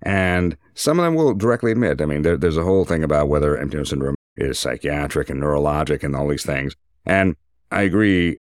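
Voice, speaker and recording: Really deep male doctor voice, informal detailed medical explainer, dry sound no room. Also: expressive, a little fast, clear, resonant tone, no room sound. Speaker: surgeon and medical teacher.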